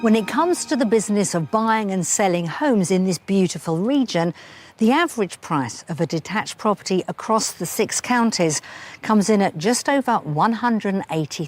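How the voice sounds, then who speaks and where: A woman presenter giving measured, informative scripted voice-over for a television property programme. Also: medium pitch. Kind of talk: scripted TV narration. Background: background music.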